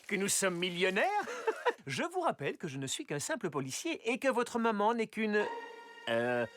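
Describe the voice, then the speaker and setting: A man's voice: high voice, sing-song, moderate pace. An actor playing a goofy, blustering middle-aged policeman dad who fumbles his words in a cartoon. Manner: hesitant, blustering. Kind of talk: French cartoon dub acting.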